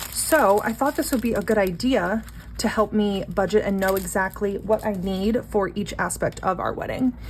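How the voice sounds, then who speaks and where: With an American accent, a woman talks at a moderate pace and medium pitch, with ordinary pitch variation over noticeable background noise. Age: 30s. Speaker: budgeting YouTuber. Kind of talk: casual vlog monologue. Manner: conversational with frequent fillers.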